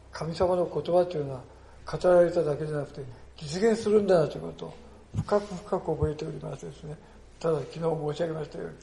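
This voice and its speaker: An older male pastor preaches in a somewhat high but mellow, gravelly voice. His delivery is earnest and storytelling, with small emphatic fillers throughout. The sound carries the echo of a church hall. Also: slight background noise. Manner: earnest storytelling, peppers phrases with "desune". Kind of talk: sermon.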